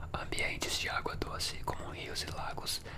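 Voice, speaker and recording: Against noticeable background noise, a woman's whisper moves at a moderate pace. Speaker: ASMR creator. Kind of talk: science magazine read aloud, relaxing ASMR. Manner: whispered, soft.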